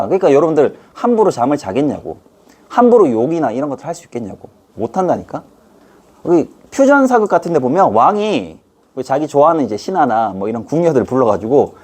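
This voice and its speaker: A middle-aged man teaches history to students in a playful, chatty way. His voice is a bit husky, and his pitch rises and falls with lively energy. He keeps slipping into short put-on voices to act out scenes. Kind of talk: lively online history lesson.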